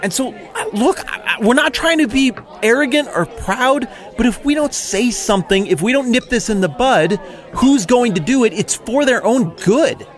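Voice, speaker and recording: A man's voice: extremely high pitch, lively intonation, moderate pace, voice pushed up. A man playing a self-righteous Pharisee who rants defensively and sarcastically about being wronged. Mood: indignant. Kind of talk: comic monologue in character.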